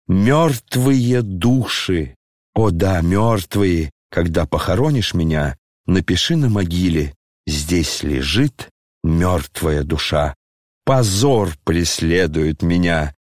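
A man reading an audiobook and voicing an aging, disgraced retired general who talks slowly, tearfully and pompously. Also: lowish voice, animated, a little mellow, no room sound, clean studio sound, full character voice. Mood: maudlin. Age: over 60. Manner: slow, tearful, declamatory, pompous.

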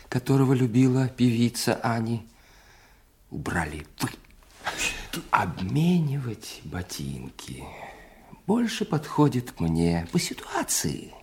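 An actor in an audio play voicing a cunning, embittered spy with a deliberate, theatrical delivery that moves between hushed and emphatic. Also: male voice, fairly low pitch, sing-song. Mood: cold reproach. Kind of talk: dramatic audio play acting. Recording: music under the voice. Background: music.

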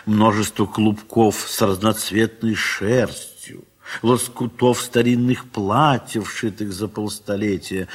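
A man narrating a classic literary story for an audio play in a measured, expressive manner, with a husky voice. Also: sits low. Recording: 1970s mono studio recording.

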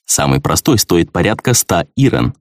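Male audiobook narrator, lowish voice, very lively pitch, dry close sound. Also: moderate pace, vocal fry, no room sound. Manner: expressive, conversational. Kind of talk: first-person fantasy audiobook narration.

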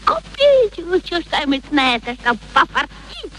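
A woman's voice: high voice, very animated, moderate pace, sharp tone, a little hiss or hum, exaggerated voice, rough recording. An actress playing a brash, naive young flower girl with uneducated, exclamatory chatter in a radio play. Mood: excited chatter.

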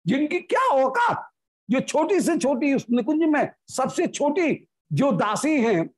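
A woman giving a devotional discourse, reciting Sanskrit verses and then explaining them slowly. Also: high-pitched, a little mellow, breathy edge. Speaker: spiritual discourse speaker. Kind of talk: devotional scripture commentary.

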